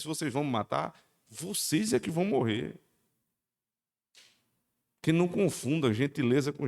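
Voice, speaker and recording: A male pastor delivers an animated sermon, his somewhat high voice leaping into emphatic peaks and dropping into low asides. The pace keeps shifting between quick runs and slow, stressed words. His voice rings through a church hall with long reverb. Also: creaky. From Northeast Brazil. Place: church sanctuary.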